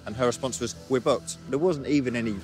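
A man's voice: mid-range voice, quick pace, over music. A man in his thirties with a New Zealand accent, recounting events bluntly and with indignation in an outdoor interview. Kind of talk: casual interview. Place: outdoors by a harbour.

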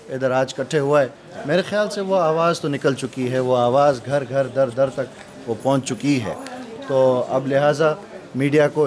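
A man, a provincial assembly member, answering interview questions outdoors near a shrine, earnest, with hesitant pauses and English words mixed in. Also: mid-range voice.

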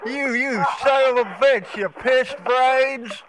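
A man puts on a cranky Southern country man with a twang who stammers through a rant of oddball insults on a prank call. His voice sits high and bright and drawls slowly, with a faint hiss behind it. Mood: angry. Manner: stammering, hurling odd insults. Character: cranky stuttering rural Southern man furious at a mechanic.

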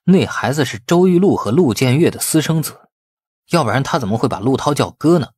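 A man's voice: mid-range voice, animated, fairly quick, darkish tone, breathy edge, dry recording, clean studio sound, pitched above the performer's own voice. A man voicing a glib, cunning young man in an audiobook, wheedling and feigning innocence with false earnestness. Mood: mock earnest.

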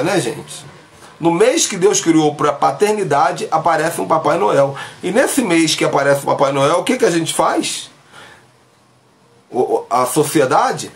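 Emphatic preacher streaming from his bedroom. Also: fairly high pitch. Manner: emphatic, gestures broadly, speaks to viewers directly. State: sick with covid, isolating. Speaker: pastor. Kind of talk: livestream preaching. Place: small bedroom at home. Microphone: phone camera at arm's length.

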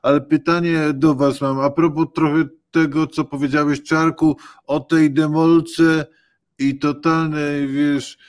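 A man's voice: fairly high pitch, level tone, measured pace. A man hosting a political panel over a video call from a home study, often stopping and repeating words as he frames his questions. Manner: hesitant, repeats words while framing questions. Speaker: host.

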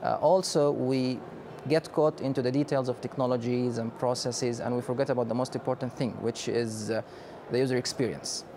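A man in his thirties from Sudan, a company director answering questions in a conference interview, speaking in a measured way with frequent hesitations. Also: mid-range voice, fairly even intonation, noisy background. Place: exhibition booth studio set.

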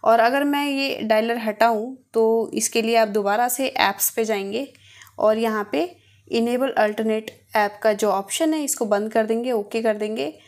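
A woman's voice: on the high side, a little slow. A woman hosting a tutorial, talking viewers through steps in a casual, instructional way. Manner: addresses viewers directly, instructional. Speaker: host of phone tutorial videos. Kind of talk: casual step-by-step tutorial narration.

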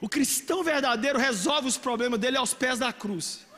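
A middle-aged man with a Brazilian accent, preaching a dramatic, emotional sermon to a youth congregation, swinging from soft asides to shouting. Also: extremely high pitch, moderate pace. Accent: Brazilian Portuguese. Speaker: pastor. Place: large church hall with a youth congregation. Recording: long hall reverb with music behind.

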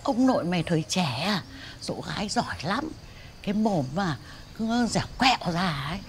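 A woman's voice: on the low side, very animated, normal speed, a little hiss or hum. An actress playing a blunt, earthy old village woman who teases the young people around her in a TV drama. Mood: scolding. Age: older. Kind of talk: TV drama acting.

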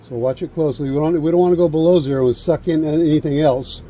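A man's voice: a little high, quick pace, warm tone. A middle-aged man giving a hands-on HVAC how-to outdoors, repeating steps and checking in with "okay?". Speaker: HVAC instructor. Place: outdoors beside an air conditioner unit. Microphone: camera held close, point of view.

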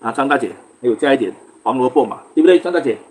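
A man's voice: medium pitch, animated, very fast, a little hiss or hum. A man with a Singaporean accent, hosting a livestream and telling a story in casual chat. He acts out quarrels in raised voices and mixes in English words. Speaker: livestream host.

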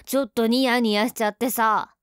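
A woman's voice: on the high side, steady tone, brisk, smooth, no echo, clean studio sound, close to an everyday voice. A woman playing a young tsundere girlfriend in an ASMR role-play, huffy and sulky but affectionate underneath. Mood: indignant, pouty.

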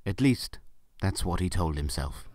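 A man's voice: sits low, expressive, measured pace. A man narrating a scripted story for an audio drama.

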